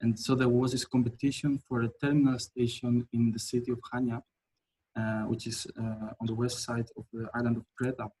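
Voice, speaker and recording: A man's voice: medium pitch, little pitch movement, a little fast, a little mellow, slight background noise, poor audio. A man from Albania presenting his architecture projects in a webinar, hesitant, with many fillers and restarts.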